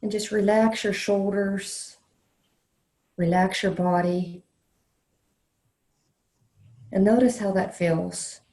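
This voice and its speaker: A woman leading a guided meditation in a slow, soothing way, leaving long pauses between phrases. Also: mid-range voice, fairly even intonation, warm tone. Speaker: meditation leader, counselor educator. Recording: roomy, echoey sound.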